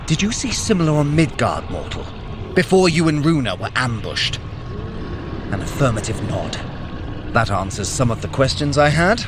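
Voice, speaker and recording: A man's voice: mid-range voice, very animated, moderate pace, noisy background, close to an everyday voice. An actor playing a vain, sarcastic male trickster god in a scripted audio drama, theatrical and full of self-praise. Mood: sardonic. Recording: music bed under the voice.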